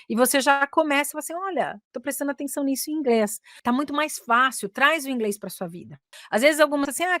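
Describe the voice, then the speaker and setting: A Brazilian woman coaches English communication in a lively, casual teaching style, her voice sitting high. She often switches into English, which carries a Brazilian accent. The recording is dry, with clean studio sound.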